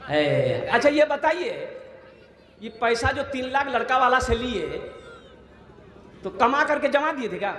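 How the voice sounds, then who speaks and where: A man's voice: very high voice, very animated, unhurried, long pauses, fairly bright tone, echoey room, in a large hall. A man from Kolkata preaching a sermon in with a tinge, rousing and rhetorical, prodding the crowd to answer and slipping in mocking jokes. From Kolkata, India. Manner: jokey, mocking asides. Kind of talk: sermon to a gathering.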